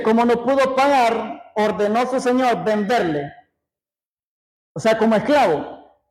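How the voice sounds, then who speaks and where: A man preaching a sermon, reading scripture slowly and breaking off for conversational asides to the congregation. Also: extremely high pitch, a little mellow, rough recording. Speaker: pastor.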